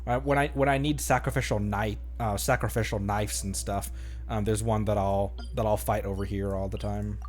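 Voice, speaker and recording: A man streaming a game with casual, joking commentary, often repeating himself haltingly. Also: lowish voice, fairly even intonation, faint music behind.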